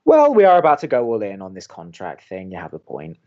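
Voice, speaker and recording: A sardonic young college radio co-host acted by a man in an audio drama. He is dry and protective, with a very mobile pitch, and the sound is a little dull. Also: wildly swooping pitch, fairly quick, darkish tone. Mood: amused, dry. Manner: dry, sarcastic.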